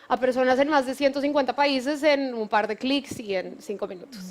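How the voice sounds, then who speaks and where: At a moderate pace, a woman speaks with a Colombian accent in a high pitch. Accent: Colombian, noticeable. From Colombia, Bogotá. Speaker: business executive. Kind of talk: panel interview.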